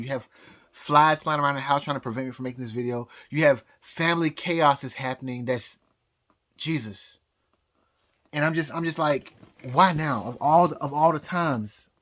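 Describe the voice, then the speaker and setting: A man in a rambling, drunk-sounding personal rant, halting and repeating his phrases, speaking emphatically and defiantly. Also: fairly high pitch, fairly bright tone. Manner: emphatic, defiant talk of fate and God. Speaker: astrologer.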